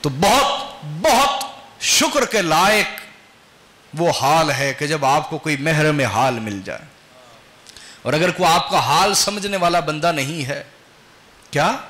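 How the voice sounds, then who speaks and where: Male preacher, bright tense tone, rhetorical questions, building emphasis. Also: on the high side, lively intonation, slow, pauses often. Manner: quizzes the audience with rhetorical questions. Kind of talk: sermon.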